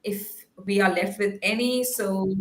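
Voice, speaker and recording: A woman's voice: medium pitch, fairly even intonation, unhurried. A woman hosting an online talk show, reading out viewer questions with many hesitant fillers. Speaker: show host. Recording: roomy echo.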